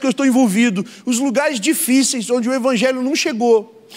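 A man talks at a moderate pace with an extremely high pitch. Noticeable background noise is present. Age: 50s. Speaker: missionary pastor. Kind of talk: sermon. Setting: church. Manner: halting.

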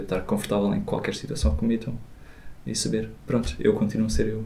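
Audible room echo surrounds a man's voice. He speaks at a fairly low pitch with ordinary pitch variation. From Portugal, Costa Vicentina (Alentejo coast). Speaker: traveller. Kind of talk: casual chat.

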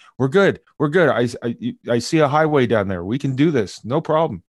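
A man speaks at a moderate pace with lively intonation against a quiet background. He has an ordinary speaking voice. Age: 50s. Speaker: former radio technical producer, cancer patient. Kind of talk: casual interview conversation.

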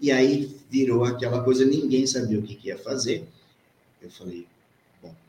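Medium-pitched male voice at a moderate pace, with ordinary pitch variation and long, frequent pauses. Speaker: fashion patternmaker and sewing teacher. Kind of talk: interview.

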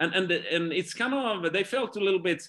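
Using lively intonation, a man speaks with a Swedish accent. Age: 50s. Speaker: company leader, executive. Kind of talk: interview conversation. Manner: hesitant, filler-heavy.

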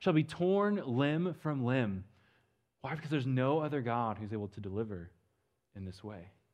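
Over a quiet background, a man with an American accent talks at a fairly quick pace, his pitch swinging very widely. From western Kansas. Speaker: missions mobilizer, guest speaker. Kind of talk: sermon. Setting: church.

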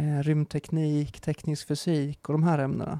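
A man speaks at a moderate pace in a fairly high pitch, his tone dark and mellow, the sound dry and close with no echo over a very clean recording and a silent background. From Sweden, Örebro. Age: 40s. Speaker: engineer. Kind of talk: interview conversation.

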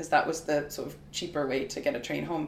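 There is noticeable background noise. Over it, a woman speaks with an American accent. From Brooklyn, New York. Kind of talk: casual live interview chat. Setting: live stage show with audience at a festival.

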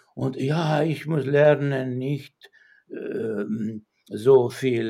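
Lively intonation marks this very slow speech in a Finnish accent. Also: man. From Finland. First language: Finnish (speaking German). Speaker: psychiatrist and psychotherapist. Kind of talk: interview. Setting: remote call from his studio. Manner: halting.

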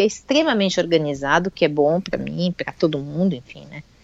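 A woman is speaking. Her pace is moderate. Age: 50s. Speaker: long-distance hiker. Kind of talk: interview about her adventure. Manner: halting with repetitions.

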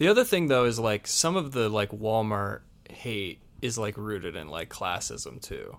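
An unremarkable speaking voice from a man with an American accent, fairly low in pitch, lively in intonation, at a moderate pace, in a very clean recording with a silent background. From Michigan. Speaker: podcast co-host. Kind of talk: casual chat.

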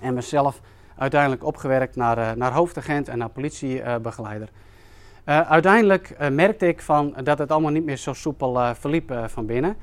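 Recorded very cleanly over a silent background, a man uses an ordinary speaking voice at a moderate pace with ordinary pitch variation. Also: fairly high pitch for a man. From South Africa and the Netherlands. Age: 40s. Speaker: podcaster and motivational speaker. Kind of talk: personal testimony talk at a live event.

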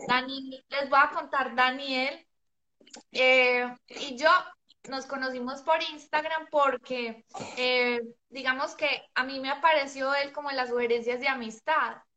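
High in pitch, a woman speaks with monotone, flat intonation. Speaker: guest telling her story.

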